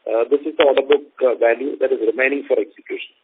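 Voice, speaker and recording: A man with an Indian accent answering questions as a company executive, speaking formally and haltingly in measured phrases. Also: medium pitch, steady tone. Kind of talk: earnings call answers. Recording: narrow phone line with faint noise.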